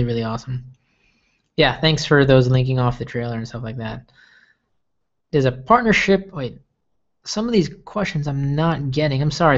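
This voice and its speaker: A young American man hosts a casual livestream Q&A, answering viewer questions in a chatty, rambling way with lots of fillers and restarts. His voice is medium-pitched, and the audio has its highs cut off.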